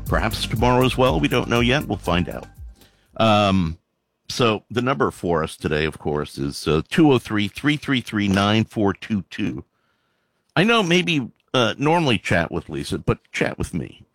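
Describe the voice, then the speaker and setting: A man filling in as a talk radio host, chatting casually with a deep voice and loose asides. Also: big pitch swings, a little slow, fairly bright tone, no room sound, soft background music. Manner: loose, conversational, with fillers and asides.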